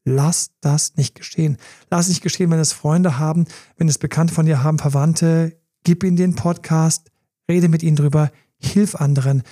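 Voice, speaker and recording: A middle-aged man with a fairly high, mellow voice hosts a casual podcast as a coach. He tells stories with animated energy and acts out little inner voices as he goes. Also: moderate pace. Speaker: relationship coach and podcast host.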